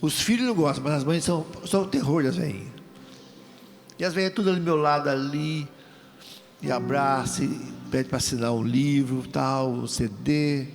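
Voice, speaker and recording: An older Brazilian man, a deacon, giving a lively testimony to a live audience, telling stories and joking with the crowd. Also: a little high, moderate pace, vocal fry. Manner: lively storytelling, jokes and asides to the crowd.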